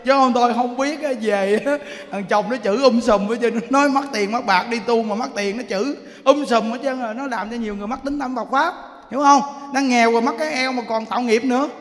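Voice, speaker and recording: A male Buddhist monk, giving a sermon through lively, laughing storytelling and acting out the people in it. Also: very high voice, fast talker, long reverb tail.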